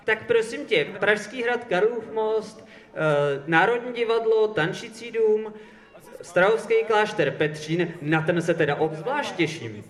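A man from the Czech Republic performing slam poetry on stage, listing places in a lively rhythm. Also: high-pitched, measured pace, reverberant. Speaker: slam poet.

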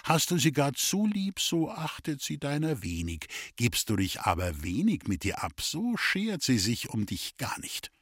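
A man's voice: medium pitch, huge pitch swings, unhurried, hardly any pauses, a bit bright, husky, no room sound, clean studio sound, pitched above the performer's own voice, exaggerated voice. A man reading a grumbling old Swabian who preaches against marriage in strings of proverbs, as an audiobook figure. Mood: grumbling lecture. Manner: sententious, reeling off proverbs.

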